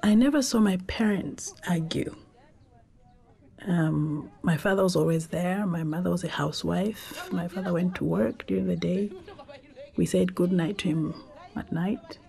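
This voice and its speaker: Low gravelly Zambian woman. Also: mellow. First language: Tonga. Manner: reflective, unhurried, with pauses and restarts. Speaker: documentary interviewee. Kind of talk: personal life story.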